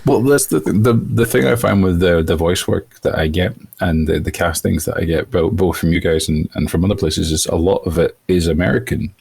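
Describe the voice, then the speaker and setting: Voice actor from europe, very deep, husky, talks slowly and thoughtfully, guest on a podcast. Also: male voice, darkish tone, no room sound. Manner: thoughtful, hesitant with many restarts. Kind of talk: casual interview talk.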